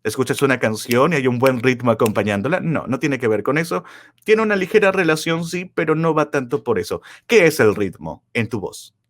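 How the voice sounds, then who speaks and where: Guy teaching public speaking, super animated voice going up and down, lots of questions to the crowd, repeats his points. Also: a little fast. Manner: emphatic, with wide swings of pitch and loudness; asks the audience rhetorical questions. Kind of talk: motivational lecture.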